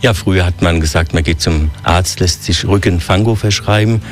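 A man from Hesse with a Hessian accent, a hotel director explaining his hotel in a radio interview in a relaxed, listing way. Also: sits low, moderate pace, soft background music. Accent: Hessian German. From Hesse, Germany.

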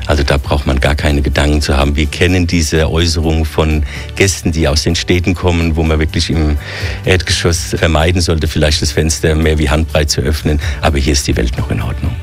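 A man with a low voice and a Hessian accent speaks in a radio interview. He explains things in a relaxed way and runs through long lists. Faint music plays behind him. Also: a little fast. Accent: Hessian German. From Hesse, Germany. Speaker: hotel director.

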